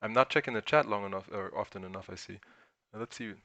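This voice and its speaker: A man's voice: fairly low pitch, fast, gravelly, pushed and bright, no room sound. A man from Germany whose first language is German, hosting a casual livestream and thinking aloud while he answers chat questions. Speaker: crypto livestream host.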